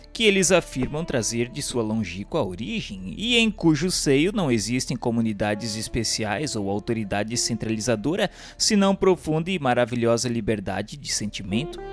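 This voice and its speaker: A man's voice: medium pitch, sing-song, moderate pace, hardly any pauses. A man with a Brazilian accent giving a solemn, formal, declamatory scripted narration of a religious text. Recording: music bed under the voice.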